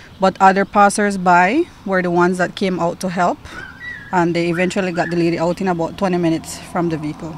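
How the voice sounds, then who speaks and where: Through noticeable background noise, a woman talks very fast in a flat, monotone delivery. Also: fairly low pitch for a woman. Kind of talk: eyewitness interview answer.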